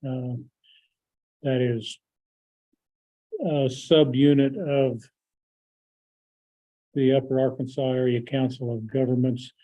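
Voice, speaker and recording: A hoarse man chairing a county board meeting, explaining an agenda item haltingly with many filler pauses. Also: medium pitch, flat delivery, warm tone. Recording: tinny phone-like audio.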